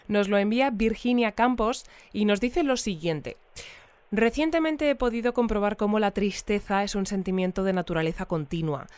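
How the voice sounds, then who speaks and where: An actress playing a composed female radio news presenter in an audio drama, speaking in a measured, polite, articulate way. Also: medium pitch, darkish tone, clear, resonant tone, no echo, lightly acted.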